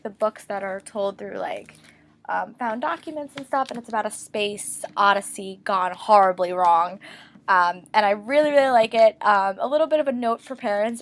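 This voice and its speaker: A young woman with a slight cold and a stuffy voice, chatting casually and upbeat about her reading plans, with lots of fillers. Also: fairly high pitch. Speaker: book vlogger. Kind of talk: casual chat to camera.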